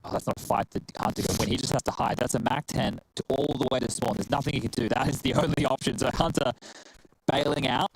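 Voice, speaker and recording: A man with an Australian accent calling an esports match play-by-play, brisk and playful between rounds. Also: mid-range voice, gravelly, a little hiss or hum, poor audio. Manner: brisk, quick-talking, playful banter. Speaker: esports caster. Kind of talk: play-by-play commentary.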